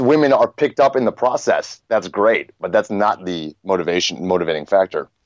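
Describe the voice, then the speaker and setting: A man with an ordinary speaking voice, fairly quick pace, lively intonation and big swings in loudness. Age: 30s. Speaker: podcast co-host. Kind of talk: casual chat.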